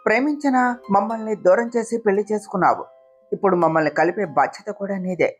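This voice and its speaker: A woman's voice: medium pitch, quick pace, faint music behind, lightly acted. A woman voicing a scheming young woman who whines and accuses in a read-aloud family story. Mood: whining. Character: scheming young woman, fake-crying and demanding.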